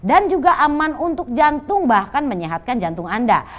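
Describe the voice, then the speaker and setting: A woman with an Indonesian accent and a distinctly high voice delivers an infomercial pitch. She presents like a home shopping host, pressing viewers to order and speaking to them directly. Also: big pitch swings, moderate pace, dull audio. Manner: persuasive, urging, addresses viewers repeatedly.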